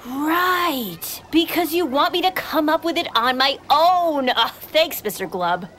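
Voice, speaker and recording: A woman's voice: high-pitched, takes it slowly, slight background noise, full character voice. Waffles, woman doing a hyper, scheming pet dog. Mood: excited. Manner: excitable, dramatic, to-camera asides. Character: scheming, popcorn-crazed female pet dog.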